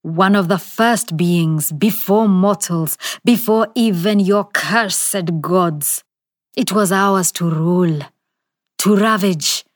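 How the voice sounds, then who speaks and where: A woman voicing an ancient, nameless male spirit, slow and menacing, in an audio story. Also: lowish voice, dry recording, clean studio sound. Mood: raging. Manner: whispering, roaring, menacing.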